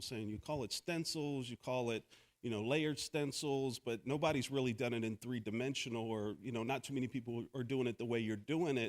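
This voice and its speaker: A man with an American accent talks fairly quickly in an ordinary speaking voice, medium in pitch, with fairly even intonation. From US Midwest, Columbus, Ohio. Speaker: wood artist and carpenter. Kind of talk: panel discussion.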